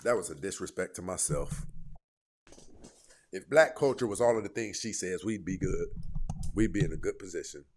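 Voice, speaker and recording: A man's voice: deep voice, animated. Confrontational male debate show host. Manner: confrontational, fires rapid leading questions. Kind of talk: live call-in debate show.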